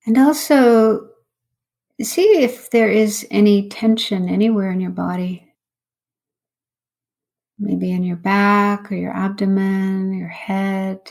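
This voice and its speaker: A woman, a meditation teacher, leading a guided meditation in an unhurried, instructional way with long pauses. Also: medium pitch, fairly even intonation, vocal fry, a little mellow.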